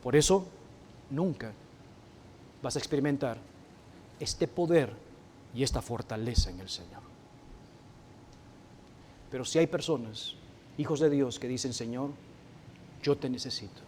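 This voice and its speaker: A man preaching a church sermon to his congregation, moving from hushed, slow phrases to loud, emphatic declarations. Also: medium pitch, expressive, a little hiss or hum. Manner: addresses the congregation directly and calls people up to the front.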